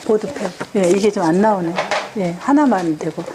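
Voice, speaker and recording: Against a noisy background, a woman teaching a parenting class speaks at a moderate pace in a mid-range voice. She is animated with the parents in the room, frequently asking them rhetorical questions.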